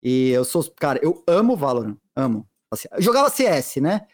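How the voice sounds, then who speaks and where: Lively swooping pitch, excited casual talk, quick interjections. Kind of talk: casual chat.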